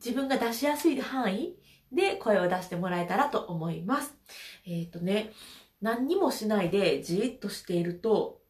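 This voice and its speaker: A woman's voice: medium pitch, expressive, normal speed, a little mellow, reverberant. A woman with a stuffy nose from hay fever, leading a casual voice lesson, chatty and laughing often. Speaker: voice trainer.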